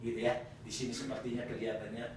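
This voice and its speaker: A male pastor giving a sermon, animated and joking with the congregation, at times laughing loudly. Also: mid-range voice, fast talker. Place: church chapel. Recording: echoey church hall, mic at a distance, noisy.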